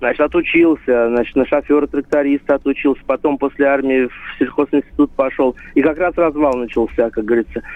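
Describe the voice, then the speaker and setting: Speaking at a fairly quick pace with hardly any pauses, a man keeps his intonation fairly even. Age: 50s. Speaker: caller. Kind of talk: phone-in complaint. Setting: phone call. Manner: halting, many fillers.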